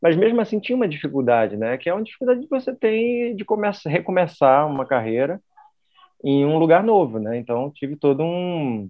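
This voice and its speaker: His pace is fairly quick and his pitch fairly high for a man. This man's voice swings very widely in pitch. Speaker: actor. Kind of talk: interview. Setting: studio. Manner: halting, many fillers.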